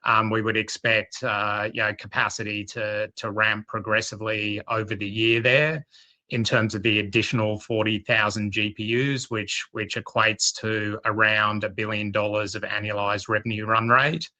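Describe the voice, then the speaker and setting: A male executive gives earnings call remarks in a very bright, sharp voice that sits a little low. His delivery is measured and halting, with carefully chosen phrasing and very little rise or fall. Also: level tone, low-quality recording. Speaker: company executive.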